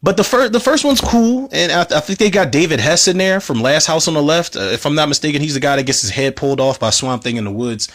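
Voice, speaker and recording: A man with a slightly hoarse voice, hosting a casual movie commentary podcast, rambling and cursing as he talks. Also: a little high, lively intonation, quick pace, few pauses, fairly bright tone. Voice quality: rambling, profane, self-interrupting.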